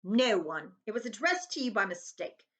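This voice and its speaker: A woman's voice: mid-range voice, big pitch swings, moderate pace, a bit bright. A woman voicing a blustering, bullying, panicky middle-aged man who barks and mutters in a children's storybook read-aloud. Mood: curt, angry. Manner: barking, snapping, muttering.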